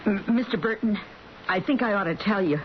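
Radio drama role: actress as apologetic nurse, mid-range voice, hesitant, courteous, dull recording with slight hiss. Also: female voice, mid-range voice, brisk, lightly acted. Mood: flustered. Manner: hesitant, stammering, polite. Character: flustered, apologetic home nurse. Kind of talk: old-time radio drama acting.

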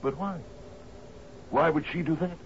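An actor playing a grief-stricken sea captain in a 1970s radio drama, halting and repeating his words in disbelief. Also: on the high side. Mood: shocked, anguished. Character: grief-stricken male sea captain, devoted widower, anguished and commanding. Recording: dull noisy vintage radio broadcast.

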